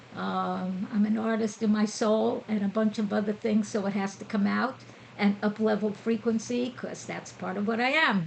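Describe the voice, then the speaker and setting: A woman speaks with an American accent in a flat, monotone way. Noticeable background noise is present. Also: fairly high pitch for a woman, moderate pace. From New York City, Manhattan. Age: 80s+. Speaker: spiritual teacher and podcast host. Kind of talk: spiritual talk.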